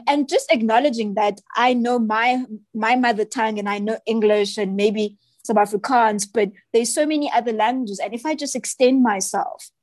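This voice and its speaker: A woman's voice: a little high, no room sound. A South African woman, a children's author, chatting as an interview guest and telling stories with many "you know"s and "right"s. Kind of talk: casual interview chat.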